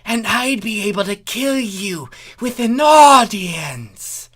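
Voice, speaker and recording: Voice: mid-range voice, lively intonation, takes it slowly, fairly bright tone, voice pushed up. A reader voicing a villainous female changeling queen in a comic fan fiction reading, theatrical, hissing and swinging between sweetness and menace. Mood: gleeful. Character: scheming villainous changeling queen, theatrically wicked, female insect-pony creature.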